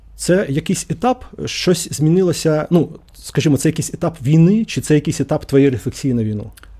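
Fairly high male voice, dark and mellow in tone, somewhat breathy, with lively intonation at a moderate pace. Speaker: podcast host. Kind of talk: casual chat.

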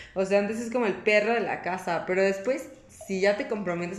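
A woman talks at a fairly quick pace. The room echo is audible, and there is noticeable background noise. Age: 20s. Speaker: podcast co-host. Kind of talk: casual chat.

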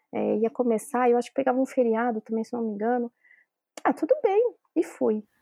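Dark and mellow in tone, this voice belongs to a woman. Her pitch sits fairly high. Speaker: food scientist. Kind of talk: casual interview.

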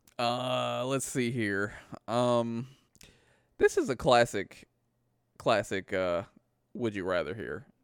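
Fairly slow delivery with ordinary pitch variation. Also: man. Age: 30s. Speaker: podcast co-host. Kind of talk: casual chat. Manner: animated.

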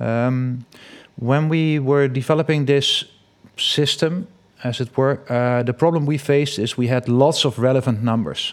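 A man with a normal speaking voice talks at a fairly slow pace. His pitch is medium, with fairly even intonation. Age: 30s. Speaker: agile coach. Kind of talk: interview.

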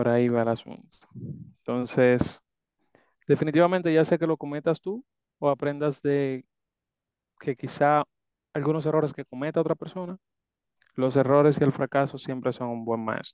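Moderate pace and fairly even intonation, with long, frequent pauses and a dry, close sound free of echo. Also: man, fairly high pitch for a man. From Dominican Republic, San Cristóbal. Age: 20s. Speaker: industrial engineer. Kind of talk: casual chat.

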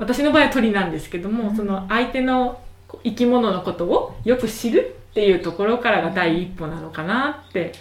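A woman speaks at a moderate pace with a fairly high pitch and lively intonation, with noticeable background noise and audible room echo. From Ibaraki, Hitachi. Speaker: bird researcher. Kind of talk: radio interview. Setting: co-working space in old farmhouse. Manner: hesitant, many fillers.

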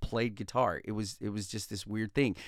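A man talks in an Alabama accent with ordinary pitch variation. The recording is very clean and the background silent. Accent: Southern US (Alabama). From US South, Talladega, Alabama. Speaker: worship leader and podcast host. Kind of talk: casual podcast monologue. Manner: animated.

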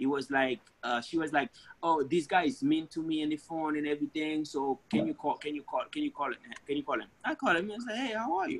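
A man's lively, fairly quick delivery in a dry, close recording with no echo. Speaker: real estate wholesaler. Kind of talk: casual interview chat. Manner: fast; halting, repetitive.

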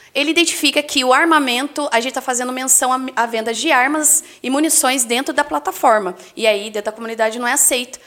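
Talking at a very fast pace with hardly any pauses, a woman uses a high pitch and ordinary pitch variation. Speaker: police officer and business partner. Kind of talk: podcast interview.

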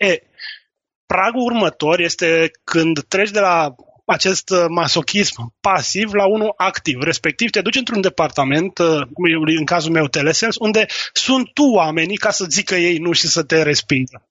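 Using a high pitch and lively intonation, a man speaks at a fairly slow pace with very even loudness. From Romania, Bihor county. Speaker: sales executive. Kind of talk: podcast interview.

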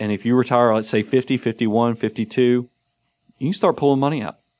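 A man's medium-pitched voice, dry and close with no echo, on a very clean recording against a silent background. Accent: strong Southern US. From US South. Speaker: financial advisor podcast host. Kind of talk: casual educational talk about retirement. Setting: studio.

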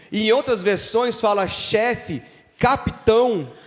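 With noticeable background noise behind him, a man talks in a high voice. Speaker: pastor. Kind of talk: sermon. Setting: church.

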